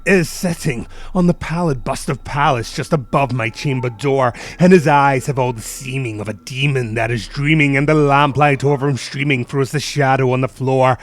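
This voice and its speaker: Man giving a theatrical poetry reading. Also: medium pitch. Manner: theatrical, deliberate phrasing. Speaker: narrator.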